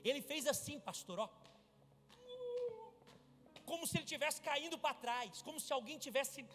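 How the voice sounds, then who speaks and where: A high-pitched male pastor preaching at a church service, his voice ringing through a long hall reverb. He tells his story with acted-out dialogue and erupts into loud shouts, music playing clearly beneath him. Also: moderate pace. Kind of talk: sermon.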